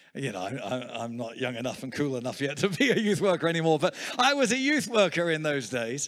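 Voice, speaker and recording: A man talks at a very fast pace in a fairly high pitch, his voice swinging very widely up and down. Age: 50s. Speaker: evangelist. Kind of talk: sermon. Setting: church. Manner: animated.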